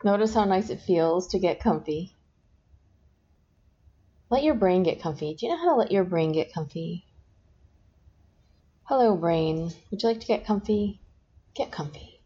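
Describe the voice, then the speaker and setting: A woman hypnotist talks the listener down into trance with slow, soft, repeated suggestions. Her voice sits low and mellow. The recording is dull and lo-fi, with a faint hiss underneath. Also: lively intonation. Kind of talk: guided hypnosis session. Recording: dull lo-fi sound with faint noise.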